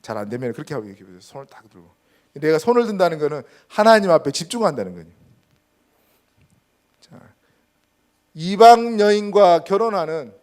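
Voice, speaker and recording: A man's voice: high voice, darkish tone. A man pastor preaching a Sunday sermon, asking the congregation rhetorical questions and stressing points with emphasis. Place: church sanctuary.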